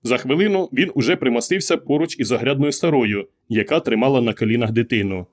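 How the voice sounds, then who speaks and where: A man narrating a short story as an audiobook in a calm, measured way. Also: mid-range voice. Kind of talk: scripted narration.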